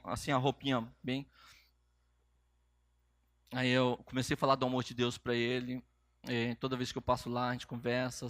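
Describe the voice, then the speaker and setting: A middle-aged Brazilian man preaching, telling a personal story with lively quoted dialogue. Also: medium pitch, no echo. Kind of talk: sermon testimony.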